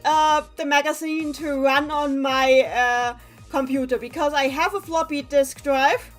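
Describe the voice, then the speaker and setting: A woman streaming a video game, chatting casually and reacting out loud to the characters on screen. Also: high voice, a little slow, faint music behind. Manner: animated, talks back to game characters, exclaims. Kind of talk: casual let's-play commentary.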